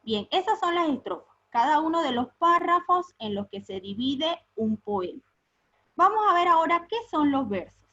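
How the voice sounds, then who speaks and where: A female teacher gives a recorded remote lesson in a high-pitched, bright, animated, forceful voice. She patiently asks her pupils questions, supplies the answers herself, and slowly repeats important words, all in lo-fi sound.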